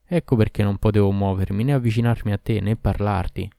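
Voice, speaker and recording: A man's voice: lowish voice, fairly even intonation, brisk, vocal fry, mellow, no room sound, studio quality. A man voicing a king who poses as a sick lover, grumbling and scolding. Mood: grumbling scorn.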